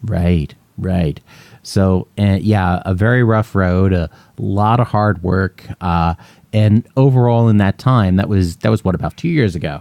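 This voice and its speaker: In a New York accent, a man speaks at a fairly slow pace with a very deep, low pitch, a dark, mellow tone and ordinary pitch variation, the sound dry and close with no echo on a very clean recording with a silent background. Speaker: podcast host. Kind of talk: podcast interview.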